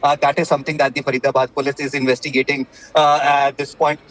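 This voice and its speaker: A man with an Indian accent reporting breaking news live, haltingly, with repeated words and many filled pauses. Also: mid-range voice, flat delivery, a bit bright, low-quality recording.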